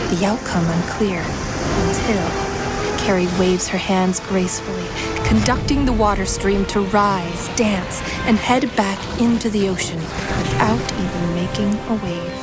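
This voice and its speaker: A woman delivering scripted narration of superhero action fiction. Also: mid-range voice. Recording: loud music behind the voice. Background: loud action music.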